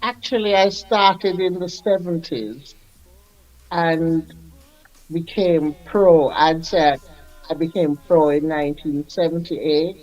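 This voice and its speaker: An older man, a music artist recalling his career in an unhurried, reflective way as a radio guest. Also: fairly high pitch, fairly even intonation, a little mellow, dull audio. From Jamaica. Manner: unhurried, reflective, laughs often. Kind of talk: radio interview.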